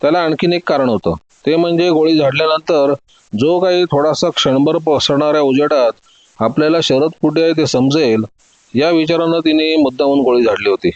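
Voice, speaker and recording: A man's voice: a little high, normal speed, dry recording, highs cut off. Man reading a detective story. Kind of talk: scripted narration of a detective story.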